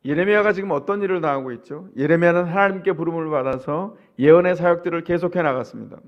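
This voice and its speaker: In a muffled recording, a Chungcheong-born South Korean pastor with a somewhat high voice gives a sermon. He talks conversationally and keeps asking the congregation rhetorical questions.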